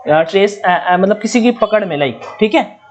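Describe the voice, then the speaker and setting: A man's voice: high voice, animated, moderate pace. A man from India with a Hindi accent teaching English vocabulary in an online exam-prep lesson, spelling words out letter by letter and repeating key points.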